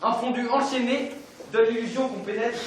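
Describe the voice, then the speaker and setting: A young man narrating a scene on a school stage in a measured, descriptive way. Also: very high-pitched, fairly even intonation. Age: teenage. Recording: echoey hall from far off, faint noise.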